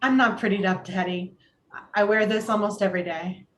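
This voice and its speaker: A woman's voice: mid-range voice, steady tone, brisk, fairly bright tone, natural voice. A woman playing a wary teenage girl, guarded and terse, in an amateur screenplay read. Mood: nervous.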